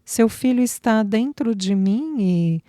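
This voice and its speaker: A woman voicing a tender young woman who is newly pregnant, speaking softly and sweetly with affection. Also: on the high side, lively intonation, slow pace, dry recording, clean studio sound, pitched above the performer's own voice. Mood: tender, joyful.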